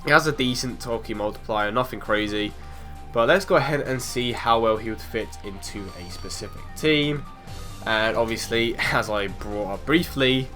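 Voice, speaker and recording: A man's voice: lowish voice, sharp tone. A young man with a bit of a cold, hosting a casual game analysis video in a chatty way full of ums and restarts. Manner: chatty, lots of ums and restarts, quick laughs. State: has a cold, sounds a bit off. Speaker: mobile game video host.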